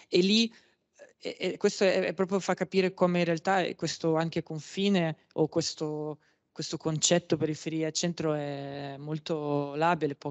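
A man with a Russian accent speaks fairly slowly at a fairly high pitch, with fairly even intonation and a quiet background. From Ukraine, Kharkiv; Ukraine. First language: Russian (speaking Italian). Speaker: art curator; speaker. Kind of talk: panel talk. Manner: halting. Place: hall. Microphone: handheld.

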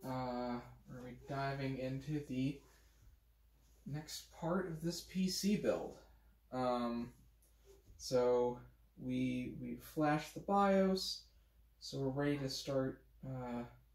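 Over audible room echo, a man speaks at a very slow pace with long, frequent pauses and ordinary pitch variation. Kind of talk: tutorial. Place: home room.

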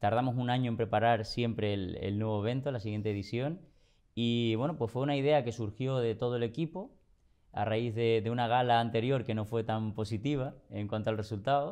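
In a Canarian accent, a man speaks at a fairly quick pace with fairly even intonation. His tone is dark and mellow over a quiet background. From Canary Islands, La Palma; Canary Islands. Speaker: mayor. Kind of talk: interview. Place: studio. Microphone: lapel.

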